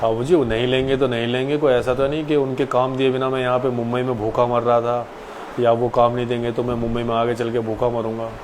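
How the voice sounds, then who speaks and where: A man's voice: mid-range voice, flat delivery, a little fast, background noise. A man in his late twenties, an actor, answering viewers' questions casually and politely on a live stream. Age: 20s.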